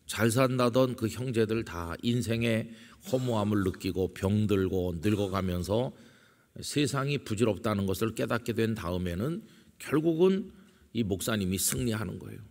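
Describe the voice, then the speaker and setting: A middle-aged male pastor preaching an early-morning sermon in a conversational way, asking the congregation questions and reading scripture slowly. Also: fairly low pitch, expressive, darkish tone. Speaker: senior pastor. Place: church sanctuary. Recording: long church reverb.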